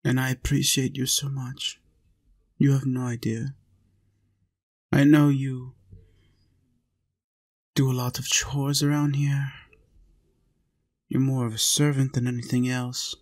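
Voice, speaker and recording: A man playing a lonely, tender, centuries-old vampire in an intimate roleplay audio, confiding softly and earnestly. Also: medium pitch, little pitch movement, takes it slowly, long pauses.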